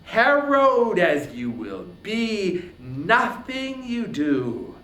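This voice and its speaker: A man's voice: wildly swooping pitch, sharp tone, full character voice. A man performing a proud, wounded, wrathful warrior hero in an impassioned, declamatory epic poetry reading. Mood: vengeful, threatening. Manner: declamatory, impassioned, drawn-out words. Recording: roomy echo, faint rumbling noise.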